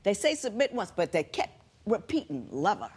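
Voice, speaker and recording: A woman judge on a court show questions and lectures firmly. Her husky voice moves expressively up and down as she drives each point home. The delivery is emphatic and instructive. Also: medium pitch, very animated, moderate pace, a little mellow.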